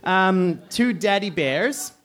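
A man, co-hosting a comedy podcast on stage, animated and laughing often. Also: slow pace. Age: 30s. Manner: animated, laughs often, bursts of higher pitch. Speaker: podcast co-host. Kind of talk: casual comedic chat. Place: live stage with audience. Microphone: stage microphone.

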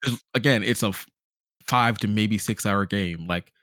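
Low-voiced man chatting casually about games. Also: moderate pace, fairly bright tone, no echo, studio quality. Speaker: podcast host. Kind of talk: casual chat, game review.

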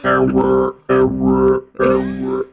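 A glitching robot, put on by a man on a podcast, stalls and repeats its error messages like a malfunctioning machine. The voice sits extremely low and crawls along slowly, cold and literal. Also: completely flat delivery, creaky, exaggerated voice. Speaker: podcast co-host. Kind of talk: casual podcast banter in a robot persona.

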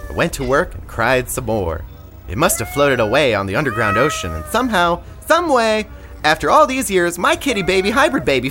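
A man doing a gushing eccentric cat lady. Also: a little high. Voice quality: gushing, sing-song cooing. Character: eccentric middle-aged woman, doting cat collector. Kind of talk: comedic audio drama acting.

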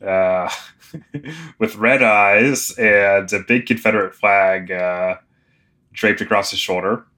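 A young man co-hosting a casual podcast, dry and deadpan, precise about small details. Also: on the low side, slow. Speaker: podcast co-host. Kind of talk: casual chat.

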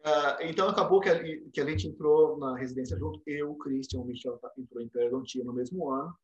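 Fast-talking Brazilian man telling stories. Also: medium pitch, muffled recording. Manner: animated storyteller, acts out quotes. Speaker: guest, dentistry professor. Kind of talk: casual remote interview storytelling. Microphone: remote call microphone.

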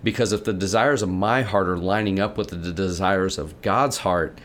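A man co-hosting a casual faith podcast, telling Bible stories and acting out the quotes with lively energy. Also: low-pitched, normal speed. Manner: animated storyteller, acts out quotes. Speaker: podcast co-host.

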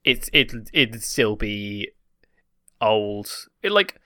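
A man's voice: lowish voice, sing-song, very slow, bright, forceful tone, smooth, no echo, studio quality. A man with a home counties English accent, explaining things in casual, discursive chat and often correcting himself. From home counties, England. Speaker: podcast panellist explaining British terms.

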